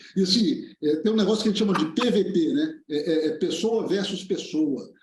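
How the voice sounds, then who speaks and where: With very wide pitch swings, a man with a high pitch talks at a fairly quick pace amid audible room echo. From Brazil, Goiás. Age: 50s. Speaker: surgeon. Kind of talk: casual chat.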